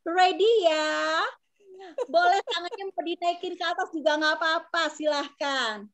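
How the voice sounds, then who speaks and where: A woman's voice: very high-pitched, unhurried, fairly bright tone. A woman with an Indonesian accent hosting an online class on a video call in a chatty, encouraging, informal way.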